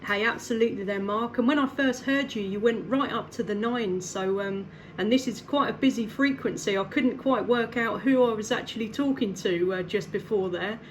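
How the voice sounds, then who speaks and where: A woman's voice: medium pitch, normal speed, hardly any pauses, low-quality recording. A woman CB radio operator making casual contact chat in an upbeat, encouraging way. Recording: clear background noise.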